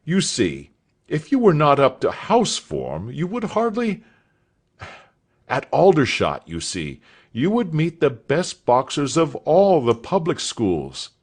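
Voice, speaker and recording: A man reading aloud voices a kindly, eager schoolmaster keen on boxing, with an animated, exclaiming delivery. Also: a little high, slow, husky, voice pushed up, exaggerated voice.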